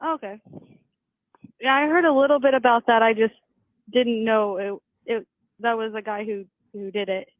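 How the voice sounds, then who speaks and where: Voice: medium pitch, steady tone, moderate pace, long pauses, dry recording. A caller to a talk show who speaks hesitantly and stammers, heard over a phone line. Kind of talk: phone call-in.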